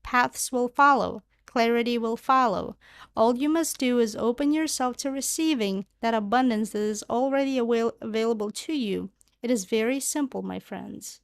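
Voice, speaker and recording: High-voiced woman giving a channeled spiritual message. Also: moderate pace, vocal fry, no room sound. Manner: formal, solemn, exhortative phrasing, speaking as a collective "we". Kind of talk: channeled spiritual message, guided inspirational monologue.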